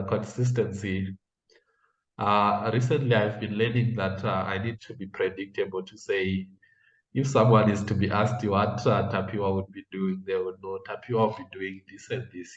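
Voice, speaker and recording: A young man from Zimbabwe, a guest in a casual interview, speaking in a measured, earnest way with frequent hesitations. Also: fairly low pitch, echoey room, muffled recording. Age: young adult.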